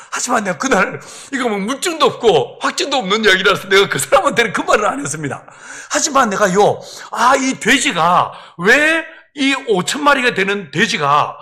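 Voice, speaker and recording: A middle-aged man preaching a revival sermon in church, telling a personal story and acting out the voices in it. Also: high voice. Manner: lively storyteller who acts out voices and laughs. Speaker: pastor. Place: church sanctuary.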